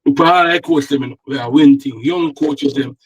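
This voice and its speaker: A man's voice: fairly high pitch, a little fast, breathy edge. Rambling Jamaican man talking football. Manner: rambling, repeats words. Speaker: football analyst and co-host. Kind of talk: casual chat.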